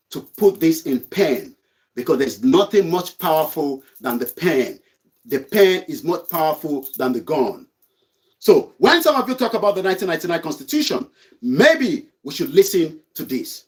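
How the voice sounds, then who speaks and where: A man's voice: fairly high pitch, sing-song, normal speed. A man hosting an online news show, reading out an article and commenting on it emphatically. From Nigeria. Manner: emphatic, preachy, repeats points.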